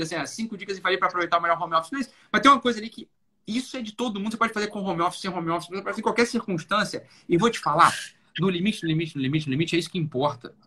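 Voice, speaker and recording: A high, fast-talking man with a husky, slightly rough voice hosts a live stream. He talks bluntly and insistently, circling back to the same points and dropping the occasional curse word. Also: sharp tone. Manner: insistent, repetitive, blunt with swearing. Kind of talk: emphatic casual talk.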